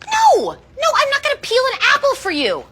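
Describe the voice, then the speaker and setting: Woman doing a squeaky, wildly swooping exasperated character. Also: wildly swooping pitch, moderate pace, bright, forceful tone, slight background noise, heavily acted. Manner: exasperated, emphatic.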